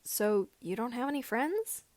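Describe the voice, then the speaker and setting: A woman reading the part of an eager, earnest seventeen-year-old boy mechanic, chatty and excitable, in a fan fiction story. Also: fairly high pitch, measured pace, dry recording. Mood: indignant.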